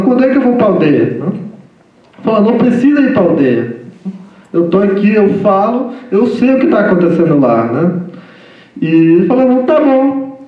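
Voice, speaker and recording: Guy speaking as guest at a lecture, halting, keeps tagging phrases, high voice, echoey far-off mic. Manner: halting, repeats "né?" constantly. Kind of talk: informal lecture talk. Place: lecture room. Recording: echoey hall from far off, dull sound.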